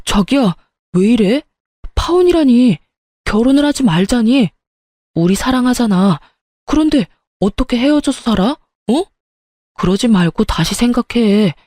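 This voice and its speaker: A woman's voice: mid-range voice, moderate pace, warm tone, no echo, clean studio sound, lightly acted. A woman voicing a spineless young man who pleads with his fiancée in a whiny, wheedling way. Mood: pleading.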